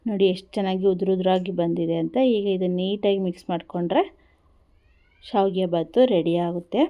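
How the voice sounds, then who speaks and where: A cooking vlogger with a Kannada accent walks viewers through a recipe in a relaxed vlog, repeating simple instructions at an easy pace. She has a lowish voice, and the audio is lo-fi.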